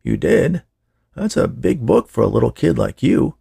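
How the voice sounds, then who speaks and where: A man plays a very old, kindly man in an audiobook story. The voice is gravelly and lifted, gentle and full of wonder. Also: medium pitch, sing-song, moderate pace, no echo, studio quality, pitched above the performer's own voice, heavily acted. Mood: delighted, gentle. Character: very old, frail, kindly man meeting his son.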